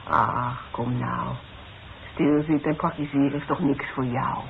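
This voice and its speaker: An actress playing a caring, practical grown daughter who coaxes and gently scolds, in a 1960s radio play. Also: female voice, extremely low pitch, steady tone, measured pace, creaky, exaggerated voice. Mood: soothing. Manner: coaxing, motherly, gently scolding. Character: caring, practical grown daughter soothing her grumbling father. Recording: dull, noisy 1960s radio broadcast.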